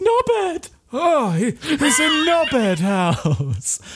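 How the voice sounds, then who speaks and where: The speaker uses a put-on character voice with a fairly high pitch. The delivery comes at a very slow pace. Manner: exaggerated, badly put-on.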